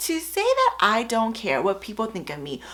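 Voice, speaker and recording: A woman speaks at a fairly high pitch in a Southeast Asian accent. Noticeable background noise is present. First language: Hmong. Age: 30s. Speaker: YouTuber and actress. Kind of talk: casual vlog talk to camera.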